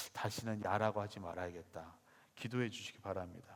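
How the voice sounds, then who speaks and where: Recorded very cleanly against a silent background, a man is speaking. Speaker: pastor. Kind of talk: sermon.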